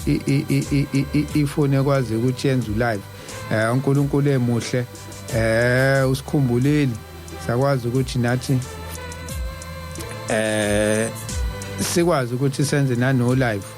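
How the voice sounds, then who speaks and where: A man's voice: mid-range voice, steady tone, normal speed. A man with a South African accent hosting live radio in casual talk, often stammering and repeating syllables as he goes. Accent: South African Zulu-speaking. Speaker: radio host. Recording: music behind the voice. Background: music.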